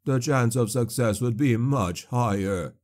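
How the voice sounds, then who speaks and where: A man's voice: mid-range voice, a little slow, a little mellow, natural voice. A man doing a caged, wheezing old sorcerer. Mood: mocking. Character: broken old male sorcerer, caged, mocking then fawning.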